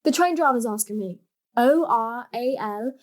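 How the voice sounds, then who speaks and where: Woman playing a young adult daughter, high-pitched, naive, plaintive, needy, easily annoyed, stage drama. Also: expressive, moderate pace, natural voice. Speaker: stage actor. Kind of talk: dramatic dialogue in a play.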